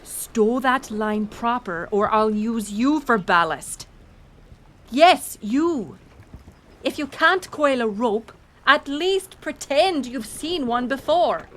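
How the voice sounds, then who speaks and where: A woman's voice: on the high side, animated, slow pace, a bit bright, a little hiss or hum. A woman playing a bold, teasing pirate smuggler captain in an audio roleplay, playful and sardonic in manner. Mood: commanding, shouting. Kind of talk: intimate audio roleplay storytelling.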